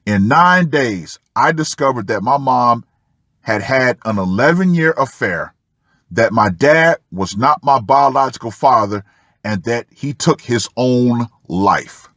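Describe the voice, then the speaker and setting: A man narrates a written personal account at a very slow pace. His delivery is dramatic and drawn out, with pauses between phrases. The sound is dry, with no room around the voice. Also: mid-range voice, animated, fairly bright tone, no room sound. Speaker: host of a commentary channel. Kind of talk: reading a personal post aloud with asides.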